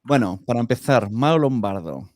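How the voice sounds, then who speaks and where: A man's voice: mid-range voice, lively intonation, normal speed, darkish tone, dry recording. Casual male podcast host, dry close sound. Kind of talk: casual conversational interview.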